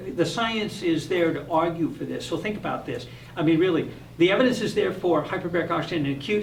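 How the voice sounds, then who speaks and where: Very fast, high-pitched male speech amid noticeable background noise and audible room echo. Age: 60s. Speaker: physician and hyperbaric medicine expert. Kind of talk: interview.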